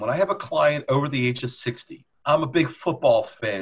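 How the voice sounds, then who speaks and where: This man's voice is fairly high and somewhat breathy. He speaks at a moderate pace. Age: 50s. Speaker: financial advisor. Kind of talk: interview.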